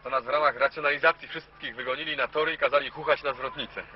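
A man's voice: medium pitch, steady tone, quick pace, lightly acted. An actor playing a chatty man who tells a stranger stories while waiting by a phone. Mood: gossipy. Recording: dull lo-fi recording.

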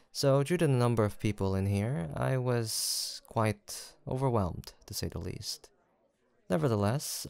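A man playing a gentle, kindly young village apothecary in a soft roleplay audio drama, speaking politely and formally with attentive reassurance. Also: lowish voice, vocal fry, dry recording. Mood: apologetic, polite.

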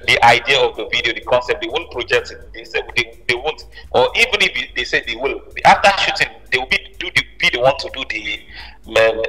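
Bright-voiced man in a very reverberant space. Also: mid-range voice. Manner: emphatic, repeats phrases for stress. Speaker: musician guest. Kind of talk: interview conversation. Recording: reverberant room with long echo.

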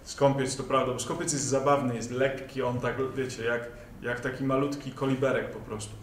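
A man's voice: mid-range voice, level tone, normal speed. A young man in casual, joking conversation as a co-host promoting audio dramas. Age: young adult. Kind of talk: casual jokey chat. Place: indoor green-screen studio at a table. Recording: roomy, distant mic with background noise.

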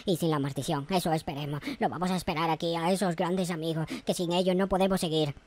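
A man voicing a big, calm, grateful muscular cartoon friend in a game roleplay, speaking deliberately with humming grunts. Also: fairly high pitch, pitched below the performer's own voice, close to an everyday voice. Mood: solemn gratitude.

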